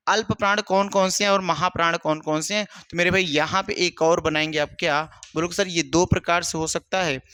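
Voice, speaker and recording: A man's voice: on the high side, fairly bright tone, clean tone, no room sound. A male teacher giving an exam-prep grammar lesson, asking the class questions and answering them himself, with a lot of repetition. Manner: repetitive, asks and answers his own questions, calls students brother.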